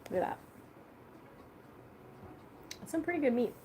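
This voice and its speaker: A woman's voice: high voice, big pitch swings, unhurried, warm tone. Chatty young woman livestreaming, faint noise. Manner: casual and chatty, swears freely. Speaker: livestream host. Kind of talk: casual livestream chat while eating.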